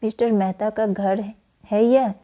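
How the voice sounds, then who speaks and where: A woman's voice: mid-range voice, steady tone, unhurried, warm tone, natural voice. A woman reading the part of a heavy-voiced, kindly male police inspector in a school play. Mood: hearty. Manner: heavy voice, hearty praise.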